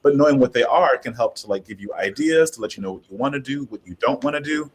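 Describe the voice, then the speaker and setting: Slightly husky man chatting on a panel. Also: mid-range voice, animated, fast. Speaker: audio drama writer and panelist. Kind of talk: casual panel talk.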